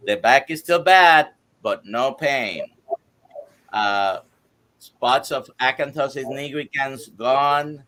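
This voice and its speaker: A man in his sixties talks as a guest doctor on a live stream. His voice sits at an ordinary middle pitch. He moves haltingly, with fillers, and runs through a list of items. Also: bright, forceful tone. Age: 60s. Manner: halting, many fillers, lists items briskly. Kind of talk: casual testimony on a live stream.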